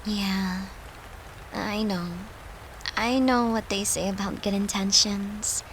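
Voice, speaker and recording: A woman playing a gentle, devoted girlfriend who soothes her lover in an intimate comfort roleplay, speaking tenderly and reassuringly in a soft, hushed voice. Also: mid-range voice, fairly even intonation, slow pace, slight background noise, poor audio. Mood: gentle, sympathetic.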